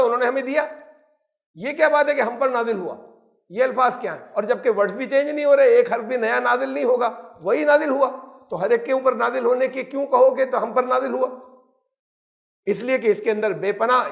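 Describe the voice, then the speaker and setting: Older guy teaching quran, really high gravelly voice, quotes arabic verses then explains them. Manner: explains at length, quotes Arabic verses and translates them, asks rhetorical questions; mixes English words into his talk. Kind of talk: Quran lesson lecture.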